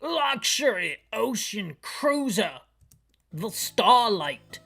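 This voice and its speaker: A high-voiced, theatrical chief of no clear gender, put on by a game player. The delivery is overblown and emphatic, stretching words out with urgent, self-important grandeur, like a comic video game briefing. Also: big pitch swings, drawn-out words, pushed and bright, soft background music, heavily acted. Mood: urgent, grandiose.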